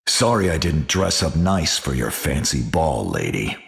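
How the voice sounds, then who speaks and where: An actor playing a menacing, hard-bitten gunman in a video game, with a gravelly growl and terse, deadpan delivery. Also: very deep voice, unhurried, exaggerated voice. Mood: grim, dry. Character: menacing, hard-bitten gunman vigilante in skull-chested gear.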